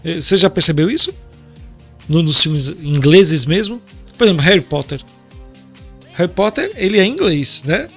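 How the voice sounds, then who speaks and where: A man's voice: a little high, lively intonation, normal speed, pauses often, a bit bright, husky, soft background music. A Brazilian man hosting a podcast, chatting casually and asking his guests lots of questions. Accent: Brazilian Portuguese. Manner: chatty, asks many questions. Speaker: podcast host. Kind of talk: casual chat.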